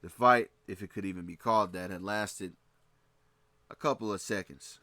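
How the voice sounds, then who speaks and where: A man narrating a fan fiction story in a steady reading, with occasional slips and restarts. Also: sits low, moderate pace, no room sound.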